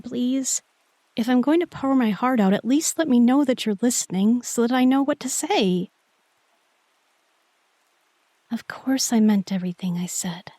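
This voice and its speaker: A woman playing a shy, tender young girlfriend in an intimate romantic sleep-aid roleplay, speaking softly and breathily, often near a whisper, with gentle hesitancy. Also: medium pitch, no echo, lightly acted. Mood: soft, affectionate. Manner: gentle, hesitant, intimate address to one listener.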